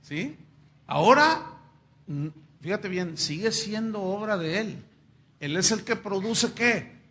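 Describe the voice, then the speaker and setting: A man's voice: high-pitched, expressive, slow, pushed and bright. A man in his fifties, a pastor, preaching a conversational sermon in a church full of rhetorical questions.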